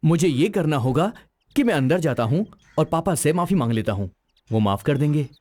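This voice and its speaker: Man as a lively, plaintive young nephew. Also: fairly high pitch, moderate pace. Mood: worried. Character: naive young nephew, dependent on his uncle, cheeky. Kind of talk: acted comic village drama.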